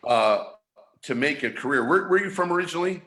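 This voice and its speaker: Bright-voiced man hosting a live stream. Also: on the high side, animated. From San Francisco. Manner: halting, many restarts and fillers. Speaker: show host. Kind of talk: casual live-stream talk.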